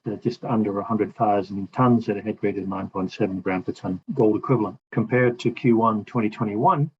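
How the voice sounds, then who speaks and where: A man speaking as a company executive, presenting results on an earnings call in a measured, businesslike way. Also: on the low side, a little mellow. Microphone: conference call line. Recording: muffled conference call with clear noise.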